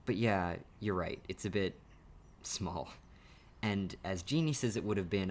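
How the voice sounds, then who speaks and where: Young man, low deep voice, playful, teasing, laughs a lot, ASMR roleplay. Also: a little hiss or hum. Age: young adult.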